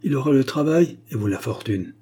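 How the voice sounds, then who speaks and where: A man's voice: medium pitch, animated, a little fast, gravelly, breathy edge, pitched above the performer's own voice. Man voicing bold young gypsy woman. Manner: firm, sharp-tongued.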